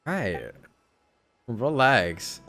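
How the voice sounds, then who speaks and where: A young man streams a game with casual, slangy commentary. His mid-pitched voice swings around a lot, with halting reactions and faint game music behind. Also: huge pitch swings, sharp tone. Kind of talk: casual live gameplay commentary.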